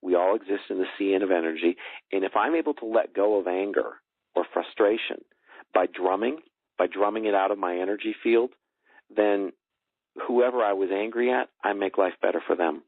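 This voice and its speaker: Deep voiced guy being interviewed over the phone, halting earnest explaining, echoey tinny sound. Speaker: interview guest, energy healer. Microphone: telephone. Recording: tinny phone line, roomy echo.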